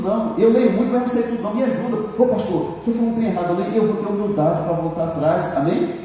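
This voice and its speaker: A man's voice: high voice, mellow, a little hiss or hum. A male pastor preaching a fervent sermon and calling again and again for amens from the congregation. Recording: echoey church hall from far off.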